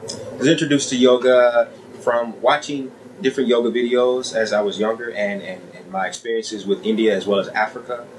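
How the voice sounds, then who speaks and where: A man's voice: mid-range voice, steady tone, moderate pace, slight background noise, poor audio. A man in his thirties who greets the viewer in a friendly way and talks about his interest in yoga. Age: 30s. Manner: friendly and upbeat. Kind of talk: documentary interview.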